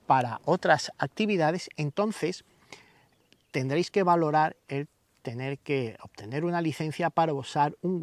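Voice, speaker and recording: A man with an accent from Spain hosts an informal explainer video. His voice sits at a medium pitch, and he teaches step by step using everyday examples. The sound is close and dry, with very little room. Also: dry recording. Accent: Spanish from Spain. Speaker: video channel host.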